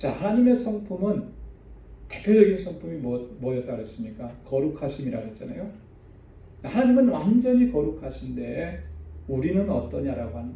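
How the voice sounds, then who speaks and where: A man talks at a moderate pace with big swings in loudness. Room echo is audible. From South Korea. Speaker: pastor. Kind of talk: sermon. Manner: conversational, asks rhetorical questions.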